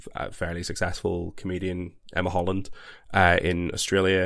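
A man with a Northern Irish accent speaks at a moderate pace in a very deep, low voice, on a very clean recording with a silent background. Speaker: podcaster, music fan guest. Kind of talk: casual chat.

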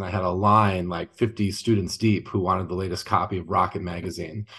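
Over a quiet background, a man talks at a very fast pace with a fairly low pitch. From US Midwest. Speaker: band teacher. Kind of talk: podcast interview. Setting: video call. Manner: enthusiastic.

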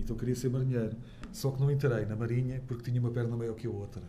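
A man with a medium pitch talks at a very fast pace, with audible room echo. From Portugal, Douro village and Lisbon area. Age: 50s. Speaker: novelist and food researcher. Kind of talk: public book talk interview. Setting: live event with audience.

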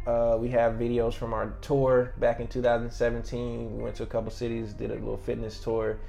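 The speaker talks with an American accent and hardly any pauses. Audible room echo surrounds the voice. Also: man, moderate pace. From Atlanta area, Georgia (US South). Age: 20s. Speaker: personal trainer and creative entrepreneur. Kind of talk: casual interview.

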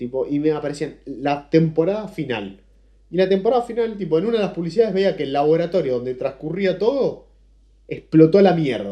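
Swinging very widely in pitch, the voice moves at a fairly quick pace with a dark, mellow tone. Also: man, high pitch for a man. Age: 20s. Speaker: podcast host. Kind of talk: casual chat.

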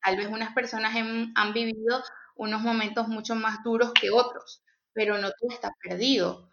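In a Venezuelan accent, a woman with a fairly high pitch speaks at a moderate pace in a monotone, flat intonation. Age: 20s. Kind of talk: casual chat. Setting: online video recording.

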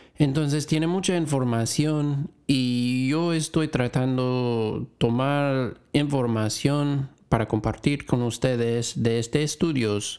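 The speaker has an American accent and a very slow pace with hardly any pauses. Loudness stays very even, with ordinary pitch variation. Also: man, medium pitch for a man. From United States. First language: English (speaking Spanish). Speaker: podcast host, teacher. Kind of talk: educational talk for parents. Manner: halting, many fillers and repetitions.

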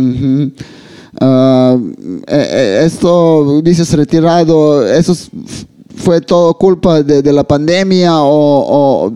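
A fairly high male voice with a dark, mellow tone and a Serbian accent, ordinary pitch variation and a very slow pace. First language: Serbian (speaking Spanish). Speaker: podcast host and music promoter. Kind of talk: casual interview chat. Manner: halting.

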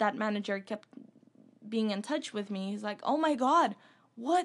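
Her pitch swinging very widely, a woman speaks with a Ukrainian accent. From Ukraine. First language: Ukrainian or Russian. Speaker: actress. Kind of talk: casual chat. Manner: giggly, laughs often.

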